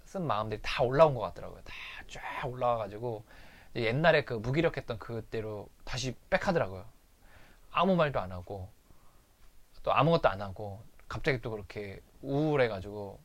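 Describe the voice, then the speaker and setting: A man's voice: mid-range voice, fairly bright tone. Candid man telling a personal story. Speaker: man recounting his addiction recovery. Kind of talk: personal recovery diary monologue.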